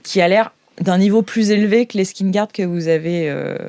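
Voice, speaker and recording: A woman's voice: mid-range voice, normal speed, a little mellow, no room sound. Woman game master, dry close sound. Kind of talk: improvised tabletop game narration.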